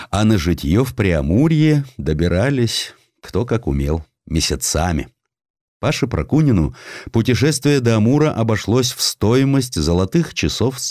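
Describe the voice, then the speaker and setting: A man with a deep voice narrates historical literature in a dramatic storytelling style. His delivery is lively and widely varied in pitch, and the recording is dry and close. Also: no room sound. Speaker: audiobook narrator.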